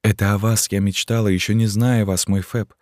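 A man voicing a naive young gypsy girl, speaking in a soft, pleading lilt in a storybook reading. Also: on the low side, flat delivery, moderate pace, no echo, clean studio sound, voice pushed up, close to an everyday voice. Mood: adoring.

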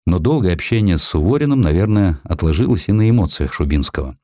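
A male narrator with a low voice reads a historical sketch expressively. His intonation moves widely and his phrasing is theatrical and deliberate. The recording is very dry. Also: animated, dark tone, no echo. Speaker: audiobook narrator.

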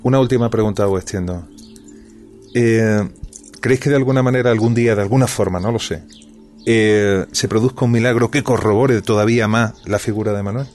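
A man hosting a radio interview, asking measured questions with hesitant fillers. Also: on the low side, a little mellow, faint music behind.

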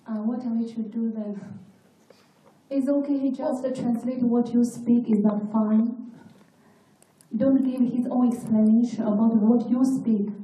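A high-pitched woman with a Chinese mother tongue, speaking up in class earnestly and apologetically. Her tone is very dark and mellow, and she sounds far from the mic in a very echoey room. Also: fairly even intonation, unhurried. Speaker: student. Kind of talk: class discussion.

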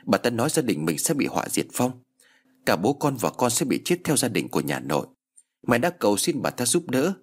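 A man's voice: medium pitch, very animated, brisk. Man voicing an anguished young wife. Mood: pleading. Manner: pleading, anguished. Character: desperate young wife and mother.

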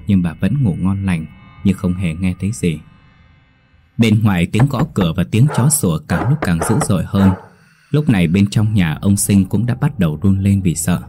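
A man narrating a scripted ghost story in a slow, ominous storytelling manner. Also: low-pitched, dark tone, slightly rough. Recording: faint background music.

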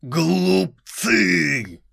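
A man voicing a demonic, arrogant alien overlord whose voice booms as if from everywhere, speaking slowly and menacingly. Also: big pitch swings, creaky, fairly bright tone, husky, exaggerated voice. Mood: gloating fury. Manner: slow, menacing, declamatory. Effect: demonic voice booming as if from everywhere. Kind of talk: audiobook-style dramatic reading.

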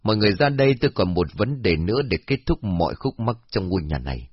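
A man voicing a solemn old male exorcist master who explains in a grave, measured way. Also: on the low side, very animated, husky, no echo. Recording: dull lo-fi recording.

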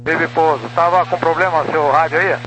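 A man's voice: on the high side, steady tone, moderate pace, a bit bright. A Brazilian man, a pilot talking to air traffic control over aviation radio. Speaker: airline pilot. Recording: very noisy cockpit radio transmission.

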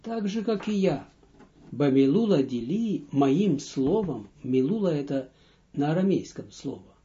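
Slow, deliberate man teaching, lo-fi audio. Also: a little high, animated, warm tone. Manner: slow, deliberate, dictating with pauses; reads phrases aloud, then translates and repeats them. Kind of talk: line-by-line text lesson. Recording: dull lo-fi audio recording.

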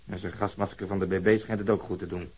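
Radio drama detective: cynical, sardonic, lowish husky voice, dry delivery. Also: male voice, little pitch movement. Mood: bitterly sarcastic. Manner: dry, sarcastic, drawn-out emphasis.

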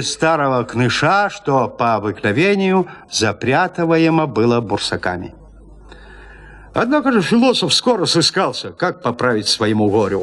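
A man narrating a classic tale in a radio drama, telling it in an expressive, dramatic way. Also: fairly high pitch.

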